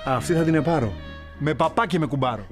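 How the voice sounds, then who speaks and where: An actor playing a blunt, chatty taxi driver. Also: male voice, a little high, faint music behind, close to an everyday voice. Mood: teasing. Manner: blunt, folksy teasing. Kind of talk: TV comedy acting.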